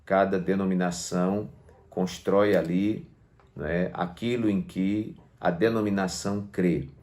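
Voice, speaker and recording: A man's voice: low voice, steady tone, a little slow, darkish tone. A male pastor teaching a Bible lesson in a didactic way, stressing key words and checking in with tag questions. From Brazil. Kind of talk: Bible lesson to online viewers.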